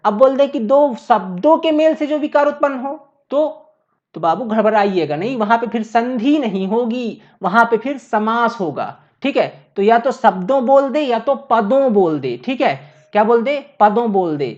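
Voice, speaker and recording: A woman's voice: on the high side, animated, normal speed, few pauses, a little mellow. Woman, teacher, classroom lecture, repetitive question-and-answer manner, slightly muffled recording. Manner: repeats points, asks and answers her own questions.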